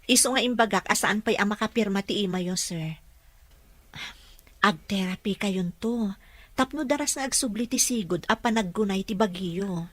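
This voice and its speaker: A mid-pitched female voice with a Filipino Ilocano accent, recorded dry and close. An actress plays a gentle young caregiver, respectful and deferential, in an audio drama. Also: moderate pace, no echo, lightly acted. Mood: encouraging.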